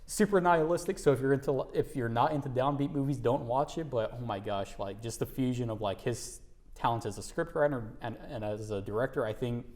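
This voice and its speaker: A man's voice: mid-range voice, fairly quick, a little mellow. A young man hosting an interview, upbeat and laid-back, with lots of fillers. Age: young adult. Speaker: host. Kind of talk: casual interview chat.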